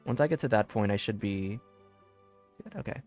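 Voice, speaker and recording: Male game streamer over soft music. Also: on the low side, animated, normal speed. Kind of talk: casual live stream commentary, reading game dialogue aloud.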